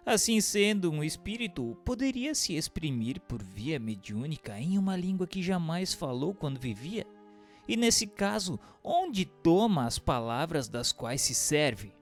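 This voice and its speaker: A man's voice: a little high, very animated, measured pace. A man giving a formal, declamatory scripted reading as narrator and questioner in a radio drama. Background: faint music.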